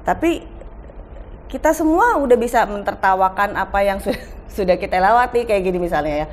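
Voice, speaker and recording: Middle-aged woman, animated storyteller, slips into voices for family dialogue, faint background noise. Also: mid-range voice, brisk. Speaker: guest actress. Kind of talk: casual talk show chat.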